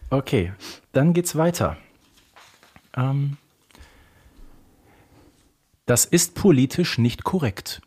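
Slightly husky, animated man. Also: medium pitch, takes it slowly, long pauses. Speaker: podcast co-host. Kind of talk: casual quiz chat about audio dramas.

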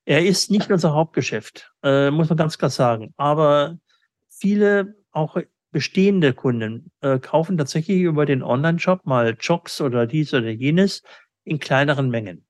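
A middle-aged man answering business interview questions reflectively, often pausing in mid-sentence as he talks. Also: a little high, no room sound, studio quality. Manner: halting, with frequent pauses mid-sentence. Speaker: interviewee, company owner and sales agent.

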